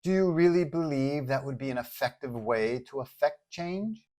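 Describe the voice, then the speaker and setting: Villainess, voiced by a man: quiet, measured, formal revolutionary mastermind for a superhero story, calculating and composed. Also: mid-range voice, natural voice. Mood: commanding. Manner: measured, formal, soft-spoken.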